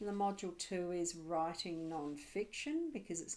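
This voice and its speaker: A woman speaks with an Australian accent. Her pitch is fairly low and her pace moderate. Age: 60s. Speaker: writing community founder and author. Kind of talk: online presentation about a writing course. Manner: hesitant, with fillers and repetitions.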